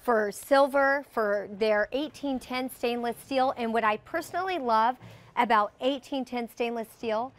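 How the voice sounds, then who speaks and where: A middle-aged woman, a brand guest on a live TV shopping show, describing flatware patterns in a studio. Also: a little high, a little slow. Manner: warm, descriptive product talk. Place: TV studio set.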